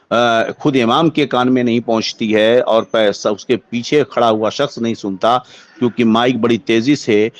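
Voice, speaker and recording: Indian guy, muslim scholar explaining a religious ruling, formal and deliberate, mid pitch, very little echo. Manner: deliberate, formal scholarly phrasing with listed points. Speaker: Muslim cleric answering religious questions.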